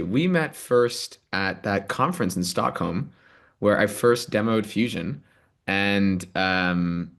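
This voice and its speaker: A man presents a software product over a video call, plainly excited and pausing often on ums. His voice rises and falls a lot as he talks. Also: lowish voice, gravelly. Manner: animated, enthusiastic, many ums and rights. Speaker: product manager giving a demo and host. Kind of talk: live software demo and interview.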